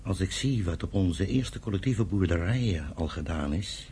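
A man's voice: low voice, animated, normal speed, warm tone, husky, full character voice. A man playing a fiery, proud young Jewish pioneer settler in a radio drama, with an emphatic, commanding way of talking. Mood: earnest, teasing. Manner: commanding, emphatic, declamatory when roused. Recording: noisy old radio play recording.

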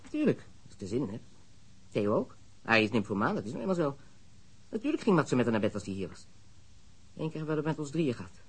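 An actor in a radio drama playing a smuggler who confesses under police questioning, frank and matter-of-fact. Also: male voice, medium pitch, sing-song, fast, long pauses, slightly rough. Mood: brazen. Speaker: suspect.

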